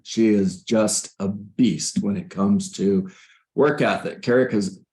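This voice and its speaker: A man hosting an interview show, introducing and questioning a guest in a conversational style. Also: fairly low pitch. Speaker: interview show host, coach.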